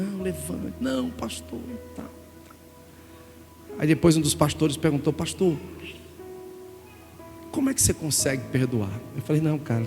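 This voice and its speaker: A middle-aged Brazilian man preaching a sermon, telling an emotional story in an animated way. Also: fairly high pitch, creaky. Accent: Brazilian Portuguese. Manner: emotional storytelling, animated, calls listeners "gente". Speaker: pastor. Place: church sanctuary. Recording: reverberant church hall with music.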